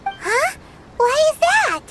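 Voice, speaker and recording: Tiny chirpy mascot girl companion, anime game, extremely high squeaky voice, very animated swings. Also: takes it slowly, heavy background noise, heavily acted. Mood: eager, curious. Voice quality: squeaky, childlike. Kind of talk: anime video game voice acting. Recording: game music loudly behind the voice.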